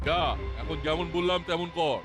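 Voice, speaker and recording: A man's voice: on the high side, steady tone, moderate pace, music in the background, close to an everyday voice. A man voicing a bossy, scheming smuggling boss in a cartoon, impatient and commanding. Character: bossy, scheming male smuggling gang leader. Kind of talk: cartoon voice acting.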